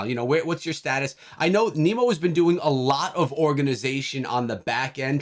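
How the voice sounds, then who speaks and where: A man hosting a gaming podcast, leading the talk in an upbeat, conversational way. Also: mid-range voice. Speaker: podcast host.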